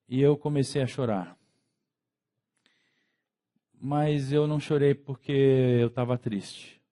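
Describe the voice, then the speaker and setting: A man with a Brazilian Portuguese accent, a pastor preaching a conversational sermon in church, acting out quick dialogues as he goes. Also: medium pitch, mellow.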